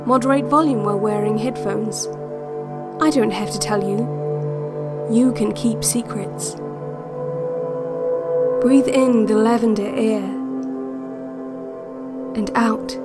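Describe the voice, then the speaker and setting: Loud ambient music surrounds a calm, controlling woman on an institute's relaxation cassette. She guides the listener very slowly, with deliberate pauses and measured authority. Her voice sits a little high, in the style of an audio drama. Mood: calm, instructive. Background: ambient new-age music.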